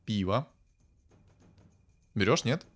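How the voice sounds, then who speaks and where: Man, low voice, casual game commentary, thinking aloud, faint music behind. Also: animated, slow pace, a bit bright. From Ukraine. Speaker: game streamer.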